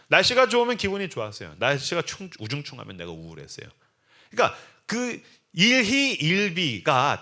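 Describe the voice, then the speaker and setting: A man preaching a sermon as a guest preacher at a revival meeting, in an animated way, acting out scenes as he tells a story. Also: fairly high pitch.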